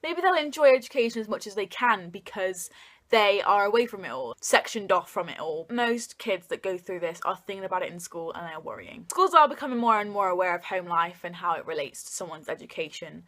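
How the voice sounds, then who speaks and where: A woman's voice: mid-range voice, lively intonation, fairly quick, fairly bright tone. A young adult woman hosting an opinion vlog, talking straight to viewers in an informal, earnest and emphatic way. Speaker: video host.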